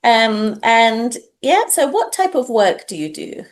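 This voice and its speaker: A woman hosting an interview as an English tutor, encouraging and asking simple, clear questions. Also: fairly high pitch, big pitch swings, slow pace. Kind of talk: casual interview chat.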